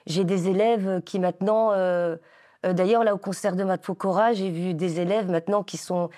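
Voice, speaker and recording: A woman's voice: fairly low pitch, steady tone, moderate pace, mellow. A woman in her forties, a dance teacher, answering interview questions enthusiastically with many hesitations and fillers. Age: 40s.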